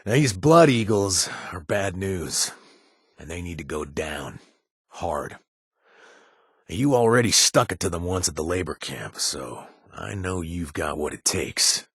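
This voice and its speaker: A man's voice: sits low, expressive, unhurried, a bit bright, slightly rough, no room sound, studio quality, heavily acted. An actor playing a young male ex-gang member, a chatty ally in a video game who cracks jokes and puns. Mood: urgent. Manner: jokey, punning, chatty with fillers.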